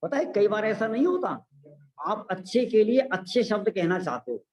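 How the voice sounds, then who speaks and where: A man's voice: high-pitched, animated, normal speed, a little mellow, dull audio. A man giving a religious discourse to a class. He often checks with listeners through rhetorical questions and repeats key phrases for emphasis. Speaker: scripture teacher.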